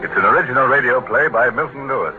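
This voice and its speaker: This 1940s radio horror program is hosted and announced by a man whose mid-range voice moves at a quick pace. He plays up a mock-sinister tone and cracks macabre jokes, heard through a muffled broadcast with music.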